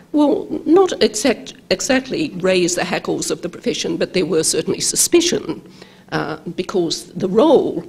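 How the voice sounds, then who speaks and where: An older Australian woman, a law professor with a croaky voice from travel, giving a halting conference lecture at a lectern microphone in a large hall. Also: on the low side, a little mellow. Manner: halting, many ums and uhs, measured.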